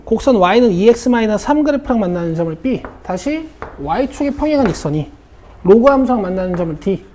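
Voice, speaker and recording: A woman's voice: medium pitch, lively intonation, brisk, dark tone, a little hiss or hum. A woman math teacher leading a classroom lesson, who keeps checking in with her students as she works through a problem. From South Korea. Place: academy classroom.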